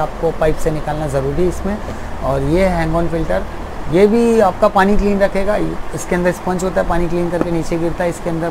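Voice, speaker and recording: Seated in his small aquarium shop, a young man who runs the place explains things at length in a casual, repetitive way. His voice is fairly high, and there is background noise.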